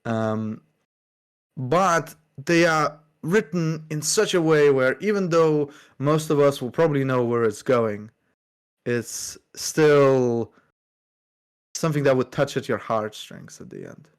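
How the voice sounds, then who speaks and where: A man co-hosting a podcast, giving a thoughtful, measured review of a story with casual fillers. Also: medium pitch, expressive, clear, resonant tone. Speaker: podcast co-host. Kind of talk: casual book discussion.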